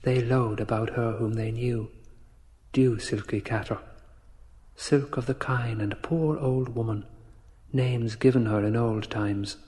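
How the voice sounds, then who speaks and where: A man's voice: mid-range voice, fairly even intonation, slow, dark tone, lightly acted. A man playing a brooding young man's inner voice, reciting a poetic monologue in an audio drama. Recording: long cavernous reverb.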